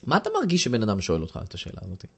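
A man's voice: fairly low pitch, huge pitch swings, husky. A man giving a lecture to a class and asking the audience questions. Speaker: teacher.

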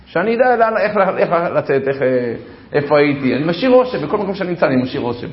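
A man's voice: on the high side, very animated. A man in his forties giving a humorous talk on marriage, telling stories about himself and speaking straight to his listeners. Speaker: lecturer on marriage and self-improvement. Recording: roomy echo, dull lo-fi sound.

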